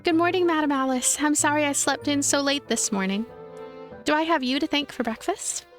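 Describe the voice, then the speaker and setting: Woman acting as young visual novel heroine, high voice, timid, polite, flustered, music behind. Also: fairly quick, natural voice. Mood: sweet, polite. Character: Emma, timid apologetic young heroine of a fantasy romance. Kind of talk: visual novel character reading.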